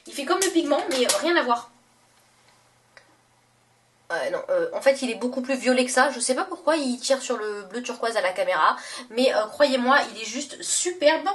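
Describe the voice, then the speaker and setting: A woman's voice: a little high, lively intonation, normal speed, a bit bright, far from the mic, slight background noise. A young woman talking casually in a makeup haul vlog, chatty and gushing, with many fillers and self-corrections. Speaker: beauty vlogger.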